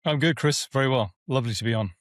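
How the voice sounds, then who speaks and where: A man from Africa, talking casually as an interview guest. He wanders through his answers with frequent restarts and fillers. His voice sits at an ordinary middle pitch and is recorded close in a dry room. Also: fast talker, dry recording. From South Africa. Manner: rambling with many restarts and fillers. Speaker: guest, property management business owner.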